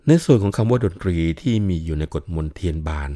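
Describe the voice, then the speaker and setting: Deep older man explaining classical literature. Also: animated, fast talker, mellow. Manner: patient, explanatory, with frequent polite particles. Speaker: lecturer on Thai classical literature. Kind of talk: explanatory talk.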